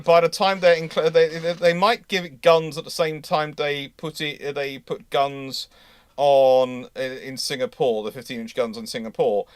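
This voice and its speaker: A man's voice: fairly high pitch, dry recording. Man hosting, rambling and unscripted. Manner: rambling, repeats and reworks phrases. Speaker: host of a live naval history Q&A. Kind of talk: unscripted discussion, reading out viewer questions.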